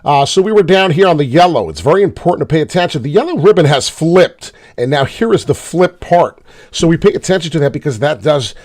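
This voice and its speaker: A man hosting a live crypto trading show, a little hoarse from being sick, rambling through charts with lots of filler words. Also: on the high side, expressive, fairly quick, darkish tone. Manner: rambling, many "uh" fillers, pleads for likes and subscribes. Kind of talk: casual live market commentary.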